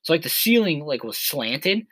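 A man's voice: fairly high pitch, sing-song, normal speed, a bit bright, dry recording. Rambling young man co-hosting a podcast. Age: 20s. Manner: rambling, heavy on filler words. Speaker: podcast co-host. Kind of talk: casual chat.

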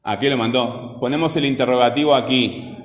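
A man's voice: medium pitch, fairly even intonation, brisk. A man teaching a grammar lesson, coaxing students along with constant check-in questions. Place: classroom. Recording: roomy classroom echo, faint ambient noise.

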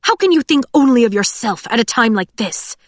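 A woman voicing a harsh, bitter middle-aged stepmother who accuses in a shrill voice. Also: animated, a little fast, no echo. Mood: scolding.

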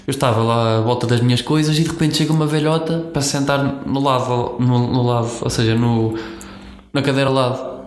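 A young man with a European Portuguese accent chats casually on a podcast, his speech rambling and full of stumbles. His voice is of middle pitch and rings in a roomy, echoey space. A faint hiss sits under the recording. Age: young adult. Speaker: podcast co-host. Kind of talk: casual chat.

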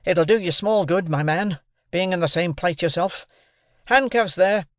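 A reader voicing a decisive, brusque army sergeant who barks loud commands. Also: medium pitch, measured pace, dry recording, studio quality, pitched above the performer's own voice, lightly acted. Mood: commanding.

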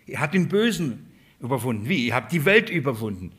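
A man's voice: mid-range voice, very animated, a little fast, a bit bright. A man preaching a Bible-study sermon, putting questions to his listeners and answering them himself.

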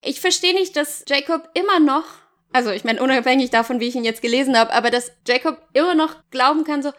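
A woman co-hosting a casual book-reading show, chatting with animated, expressive asides. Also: sits high, fairly quick. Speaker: co-host reading a book aloud. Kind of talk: casual chat and reading aloud.

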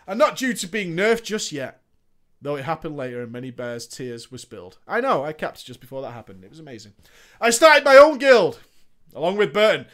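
Animated, high-voiced man. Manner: animated, sarcastic asides, laughs often. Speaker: story reader. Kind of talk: comic reading of a gaming story with asides.

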